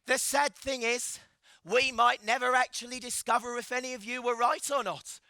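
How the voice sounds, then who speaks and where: A man presenting a live children's science show with an excitable, theatrical manner, urging the audience to cheer. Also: very high-pitched, moderate pace, creaky, dry recording. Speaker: stage presenter. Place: live event hall with an audience. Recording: music playing behind.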